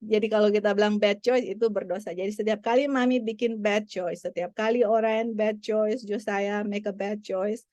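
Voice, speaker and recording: A woman's voice: medium pitch, darkish tone, no room sound. A woman, a mother, telling a family story as an earnest Christian testimony, repeating her points as she goes.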